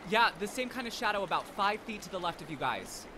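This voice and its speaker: A man's voice: sits high, sing-song, quick pace, noisy background. A man playing an easygoing young friend in an audio drama, with a casual, conversational way of talking. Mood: uneasy.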